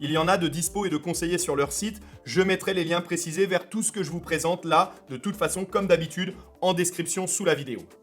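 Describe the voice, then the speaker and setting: With music in the background, a man speaks at a fairly quick pace in a high pitch with fairly even intonation. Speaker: tech YouTuber, drone and photo reviewer. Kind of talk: product review. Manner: fast.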